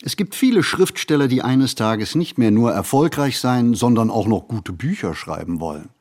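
An actor playing a reflective writer in a literary radio play, speaking his monologue in measured, deliberate phrases. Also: mid-range voice, expressive, a little mellow, close to an everyday voice. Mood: emphatic, critical. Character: reflective male writer musing on writing and society. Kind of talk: literary radio play monologue, scripted first-person narration.

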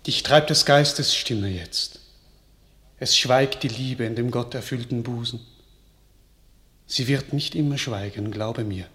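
A lofty, gracious king in a classical radio play. He declaims slowly and ceremoniously at a middling pitch, with stately weight on the verse. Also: fairly bright tone. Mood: gentle, persuasive. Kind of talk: classical German radio drama verse acting.

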